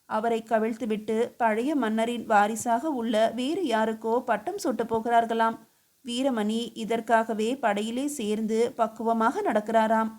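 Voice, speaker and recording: A woman's voice: a little high, a little mellow, lightly acted. A woman voicing a jealous, scheming young maidservant with a taunting, needling way of talking, read from a storybook. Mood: accusing.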